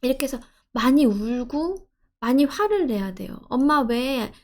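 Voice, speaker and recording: A woman giving gentle, soothing advice, speaking softly and letting her phrases trail off quietly. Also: high voice, sing-song, moderate pace. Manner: gentle, soothing, acts out inner speech in quotes. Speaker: counselor answering a viewer's question. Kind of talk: advice talk to camera.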